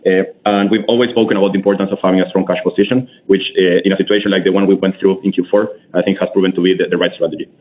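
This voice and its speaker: A man's voice: sits low, little pitch movement, rapid-fire, few pauses, a little hiss or hum. A man speaking as a company executive answering questions on an earnings call, assured, emphatic and businesslike. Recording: narrow, tinny phone line.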